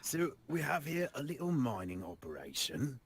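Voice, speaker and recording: A man's voice: mid-range voice, big pitch swings, normal speed, fairly bright tone, slightly rough, no echo, pitched above the performer's own voice, full character voice. A man voicing a polite, genteel adventurer in a tabletop fantasy game, with a wordy, diplomatic manner. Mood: placating. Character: polite, genteel male adventurer smoothing over quarrels.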